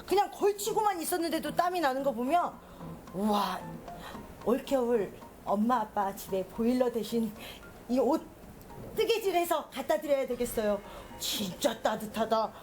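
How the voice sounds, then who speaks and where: A woman's voice: high voice, lively intonation, normal speed, darkish tone, slight background noise. A woman field reporter giving a bubbly on-location report, exclaiming often.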